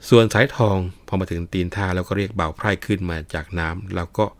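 Male storyteller, deep voice, relaxed chat with listeners, dry recording. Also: quick pace, vocal fry, no echo. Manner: leisurely, chatty, addresses listeners. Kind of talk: storytelling with idiom explanations.

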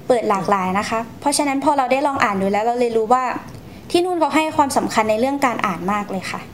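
A young woman from Thailand, appearing as a guest storyteller, answers interview questions politely and explains her experiences. Her voice is fairly high, expressive and fast, with a slight hiss or hum in the background.

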